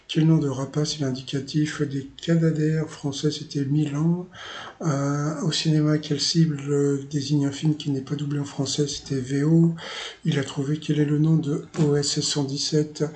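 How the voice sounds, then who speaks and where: A Parisian man hosts his own channel, casually recapping a TV quiz show in a chatty, rambling style packed with filler words and amused asides. His voice is a little high and slightly mellow, with a flat delivery at a moderate pace, and there's slight background noise.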